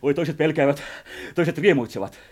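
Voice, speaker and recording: Actor as excitable husky ally bringing news, high lively voice, radio drama. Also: male voice, close to an everyday voice. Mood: urgent. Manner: urgent, breathless, eager. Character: excited male messenger ally, eager and agitated. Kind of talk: 1960s radio drama acting.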